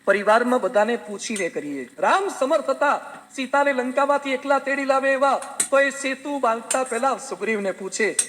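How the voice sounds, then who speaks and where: A man, a swami, giving a sermon full of homely anecdotes and gentle humor. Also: very high voice, normal speed, big-room sound, a little hiss or hum. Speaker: swami preacher.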